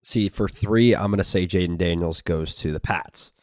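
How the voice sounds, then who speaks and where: A man's voice: low voice, normal speed, a little mellow, no echo, studio quality. A man hosting a casual sports chat, sounding stuffy as he gets over a sickness. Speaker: podcast host.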